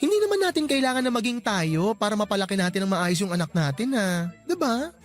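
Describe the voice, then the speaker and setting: A flamboyant gay young father in a radio drama. His delivery is campy and bantering, with pitch that leaps around as he protests, sassy but loving. Light music sits underneath. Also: very animated, fast. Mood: exasperated, defensive.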